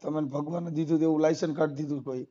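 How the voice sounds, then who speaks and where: A man's voice: a little high, fairly even intonation, very fast, dark tone. Insistent Gujarati man arguing, muffled phone recording. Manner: insistent, combative, repeats points with rhetorical questions. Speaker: debater on a phone call. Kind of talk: heated argument over the phone.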